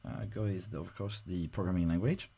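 Low, warm-voiced man explaining. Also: fairly even intonation, a little fast, creaky, breathy edge. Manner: casual, explanatory, frequent "uh" fillers. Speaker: software tutorial presenter. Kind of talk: screen-recorded software tutorial.

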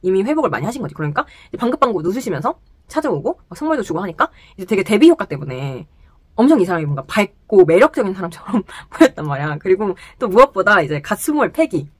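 A young woman telling a personal story to the camera in casual chat, animated and laughing often, in a small indoor room. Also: mid-range voice, fast talker, husky, no room sound. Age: young adult. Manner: animated, laughs often, gestures while talking. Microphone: camera close in front, sitting.

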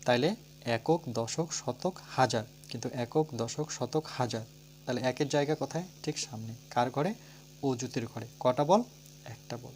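A man with a Bengali accent teaching a primary-school math lesson. He asks questions and answers them himself, counts slowly aloud and spells words out letter by letter. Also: medium pitch, darkish tone, a little hiss or hum. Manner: talks through steps, asking and answering his own questions.

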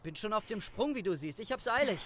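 A male actor as an irritated, sarcastic cop from a crime radio play. His voice sits a little high and swings widely as he talks in a brusque, wary way. There is some background noise. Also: animated, fast talker, sharp tone. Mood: annoyed, hurried. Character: wary, annoyed young policeman demoted to desk duty. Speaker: actor in a crime audio drama. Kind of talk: German crime audio drama acting, conversational.

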